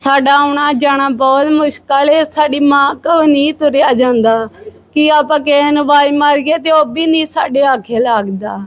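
A woman speaking to a reporter, her voice on the high side. She sounds aggrieved and pleading as she explains her family's hardship. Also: steady tone, normal speed. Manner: complaining, pleading. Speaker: interviewee, family member. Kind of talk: interview.

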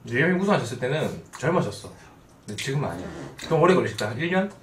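A man's voice: medium pitch, sing-song, racing, distant mic. A man in his twenties chatting casually as a guest on a stream. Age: 20s. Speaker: guest, gamer. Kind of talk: casual chat. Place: small indoor streaming room. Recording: echoey room, off mic, faint noise.

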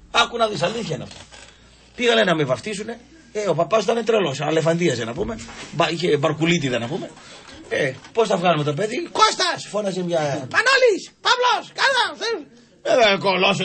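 A man telling comic anecdotes on a radio show, acting out voices in his stories. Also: high-pitched. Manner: animated, acts out voices in anecdotes. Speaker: radio show guest storyteller. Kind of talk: casual comic storytelling. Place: radio studio.

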